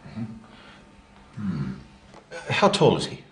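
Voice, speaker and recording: A man's voice: low voice, huge pitch swings, slow pace, a bit bright, roomy sound, heavily acted. An actor playing a curious middle-aged male private investigator who questions a client, hesitating with hums and uhs. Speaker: actor in a teaching drama. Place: small office set, indoors.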